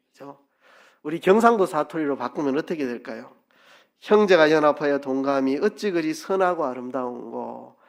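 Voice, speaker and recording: A middle-aged man, a pastor giving an expressive sermon with dialect asides in a church sanctuary. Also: fairly high pitch.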